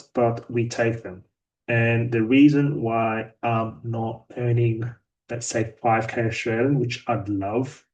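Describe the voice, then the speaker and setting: A man giving a daily sales progress report in a flat, somewhat robotic, monotone delivery. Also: medium pitch. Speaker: sales rep vlogger. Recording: voice a bit distant from mic.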